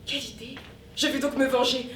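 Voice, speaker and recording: A coy, flustered young lady fending off a suitor, played on stage by a young woman. Her voice is high and rings in a roomy hall, picked up from far off over faint hiss. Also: steady tone, fairly quick, a bit bright. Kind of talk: stage comedy acting. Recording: roomy stage sound from afar, faint noise.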